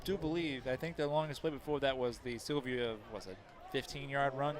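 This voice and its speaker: A man giving color commentary at a local high school football game, chatty and analytical, often restarting his sentences. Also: a little fast, crowd noise.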